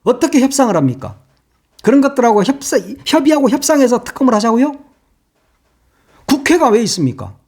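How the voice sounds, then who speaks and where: A man's voice: extremely high pitch, wildly swooping pitch, fairly quick, long pauses, darkish tone, slightly rough. A man giving heated political commentary, insulting his target and firing off rhetorical questions.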